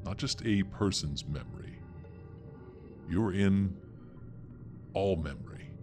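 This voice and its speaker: Game master, male, middle-aged. Very low register, halting explanatory delivery, clear music bed. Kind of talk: explaining a tabletop role-playing story in conversation.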